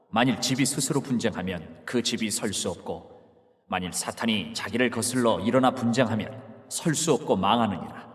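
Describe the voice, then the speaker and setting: Solemn grave teacher voiced by a man, measured slow delivery, long hall reverb, dramatized scripture. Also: fairly low pitch, close to an everyday voice.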